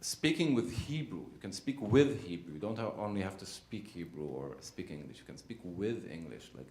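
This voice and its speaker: A man, a playwright answering audience questions after a show, searching for words with many pauses and fillers. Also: deep voice, animated, a little mellow, roomy sound. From Israel. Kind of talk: post-show talkback answers. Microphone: handheld microphone.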